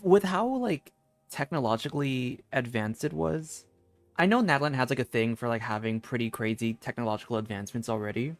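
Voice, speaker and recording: A man giving casual, slangy, sweary commentary as he streams a game playthrough, musing out loud. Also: medium pitch, a little fast, dry recording, faint music behind. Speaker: gaming streamer.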